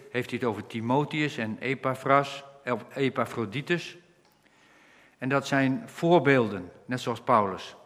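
A man preaching a sermon, earnestly explaining Bible verses and slowing down when he quotes scripture. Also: mid-range voice, a bit bright, long reverb tail.

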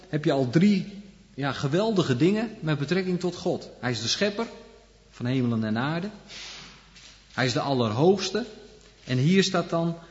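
A man preaching a sermon, walking his listeners through Bible verses and tossing in frequent little asides to check they follow. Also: mid-range voice. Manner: explains scripture, leans on frequent "hè" asides. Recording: long hall reverb, dull lo-fi sound.

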